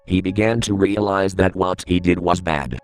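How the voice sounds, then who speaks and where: The narrator, a man whose voice is very low, reads a creepypasta horror story at normal speed with a smooth delivery. Faint music plays behind him as he keeps a steady, solemn tone that lets the bleak events hit plainly.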